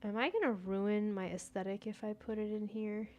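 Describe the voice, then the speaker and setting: Soft background music plays under a lo-fi recording of her darkish, medium-pitched voice, which has fairly even intonation and a moderate pace. The speaker is a chatty young gaming streamer from the United States whose first language is Persian. She talks to herself while playing, keeps up casual gameplay chat and answers viewers.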